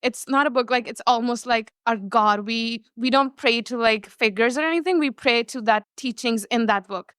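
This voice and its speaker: A woman's voice: a little high, moderate pace, few pauses, fairly bright tone, smooth, no echo, studio quality. A young woman answering interview questions in a bubbly, laughing way. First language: Punjabi. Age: young adult. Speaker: student interviewee.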